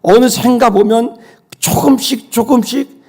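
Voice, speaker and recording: A middle-aged male pastor preaching a Sunday sermon, telling a personal story with loud exclaims and soft low asides. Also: fairly even intonation, measured pace, husky.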